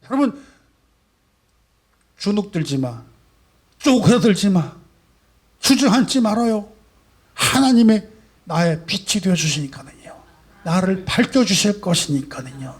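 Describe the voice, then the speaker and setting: A male pastor preaching a sermon, asking rhetorical questions and swinging between soft and loud emphasis. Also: high voice, very animated, unhurried, long pauses, slightly rough. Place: church sanctuary.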